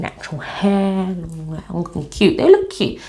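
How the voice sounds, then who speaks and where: A woman speaks at a medium pitch with a London accent. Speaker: vlogger. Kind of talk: casual storytime monologue.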